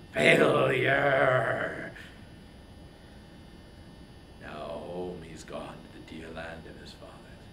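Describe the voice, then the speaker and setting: A man voicing an anguished, wrathful warrior king in a declamatory, impassioned reading of epic poetry. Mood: bitter despair. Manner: impassioned, declamatory, swinging from shouts to breathy whispers. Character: anguished, wrathful warrior king grieving over wounded brother. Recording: roomy, echoing, faint background rumble.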